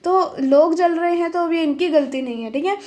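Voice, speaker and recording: A woman's voice: very high-pitched, moderate pace, a little mellow. A young woman giving a pick-a-pile tarot reading, chatty and reassuring, mixing Hindi and English and checking in with her listeners. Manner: chatty, mixes Hindi and English, keeps asking "ठीक है?". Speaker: tarot reader.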